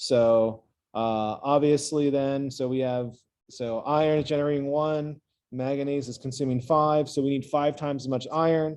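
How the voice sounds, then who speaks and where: This man has a normal speaking voice, fairly high in pitch, talking at a moderate pace with fairly even intonation. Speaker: chemistry lecturer. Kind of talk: lecture.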